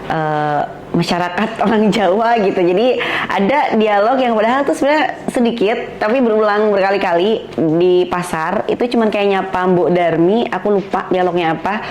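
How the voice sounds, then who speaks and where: A woman's voice: mid-range voice, moderate pace, slight background noise. A woman with a Sundanese accent, an actress chatting casually and animatedly about her work. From West Java, Indonesia. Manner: animated storyteller, acts out quotes. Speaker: actress in a promotional interview. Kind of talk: casual chat.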